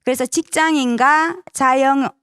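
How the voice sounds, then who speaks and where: A woman presents a sales seminar to an audience in a high, slightly bright voice at normal speed, recorded cleanly in a studio with no room sound. She is persuasive and often seeks agreement with short tag questions.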